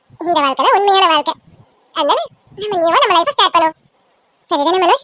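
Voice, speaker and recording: In a cartoonish character voice, a woman talks at an extremely high pitch and a fairly quick pace with lively intonation and very even loudness, the sound dry and close with no echo. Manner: affectionate, earnest.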